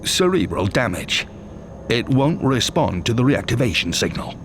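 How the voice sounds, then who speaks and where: Game commander: authoritative, brisk, clipped, lively intonation, audible humming ambience behind. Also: male voice, mid-range voice, background noise. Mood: stern, urgent. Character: commanding male senior military officer, brisk, serious. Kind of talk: game cutscene acting, military status briefing.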